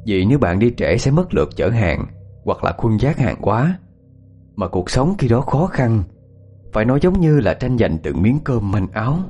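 A man narrating a ghost story in a measured tone. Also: lowish voice, big pitch swings, darkish tone, faint music behind.

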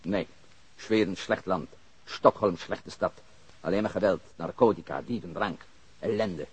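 A disillusioned foreign labourer in a radio play. His voice is deep and very rough-edged. He talks tersely and haltingly, with a bitter, reluctant temper. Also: dry recording, poor audio. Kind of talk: audio drama acting.

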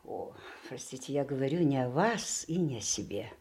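An actress playing a reflective, wry mature woman in a Russian radio play, musing aloud with dramatic pauses. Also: extremely low pitch, lively intonation, darkish tone. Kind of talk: Russian radio theatre monologue.

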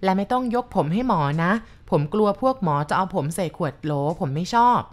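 A woman's voice: medium pitch, animated, brisk, close to an everyday voice. A woman voicing the ghost of a little boy with a topknot who pleads with his parents in a dream. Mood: pleading.

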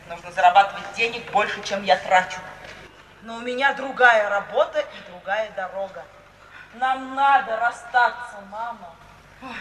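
An actress playing a proud, principled young daughter in an old radio play, with a firm declamatory delivery. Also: female voice, fairly high pitch, a bit bright. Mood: resolute, cold. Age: young adult. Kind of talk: 1950s Russian radio theatre acting. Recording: echoey, distant 1950s radio play with hiss.

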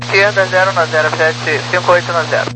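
A man's voice: high voice, fairly even intonation, brisk. A Brazilian man speaking as a pilot over a cockpit headset radio, giving clipped readbacks to air traffic control. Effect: aviation radio. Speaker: airline pilot. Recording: very noisy humming cockpit radio transmission.

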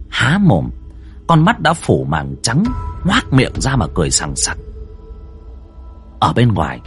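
Man telling a ghost story, wildly animated. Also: on the low side. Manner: vivid, suspenseful, swings widely between hush and alarm. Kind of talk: dramatic storytelling.

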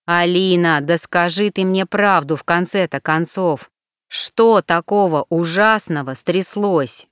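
A woman reader voicing a tired, bewildered young man who keeps calmly pressing for answers. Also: measured pace, clear, resonant tone, no room sound, studio quality, lightly acted. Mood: weary. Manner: tired, low-key, insistent questioning. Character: weary bewildered young man, trying to stay calm.

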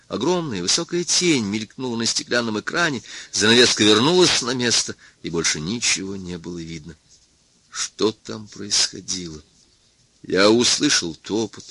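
Male audiobook reader, bright crisp tone, dry close recording, tense dramatic first-person narration. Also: fairly low pitch, no echo.

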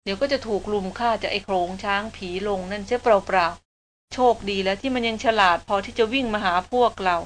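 A woman reading as a spirited, sharp-tongued young woman. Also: mid-range voice, fairly quick, slight background noise, lightly acted. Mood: explaining. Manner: firm, reproachful talk.

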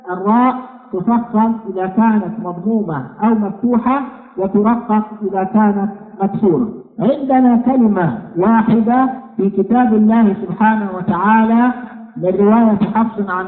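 A man with a high voice gives a lesson on recitation rules, speaking slowly and deliberately and demonstrating each example word. His voice comes through a narrow, phone-like channel. A long, roomy echo trails behind every phrase. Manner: slow, deliberate explaining, repeating key phrases and demonstrating pronunciations. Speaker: Quran recitation teacher. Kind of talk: recorded tajweed lesson. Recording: echoey hall over a tinny phone-like line.

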